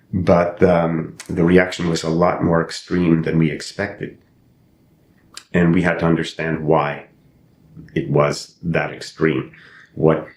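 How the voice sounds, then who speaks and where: Older man from Canada, English not his first language, very low voice, roomy sound. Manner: thoughtful, with frequent restarts and repeated phrases. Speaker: podcast guest, actor and playwright. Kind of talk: reflective interview storytelling. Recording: roomy with faint rumble.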